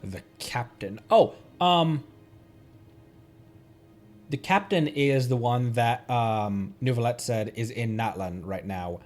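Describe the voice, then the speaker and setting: A man's voice: medium pitch, slow, a little mellow. A man streaming a game with casual chat, thinking aloud in a hesitant way.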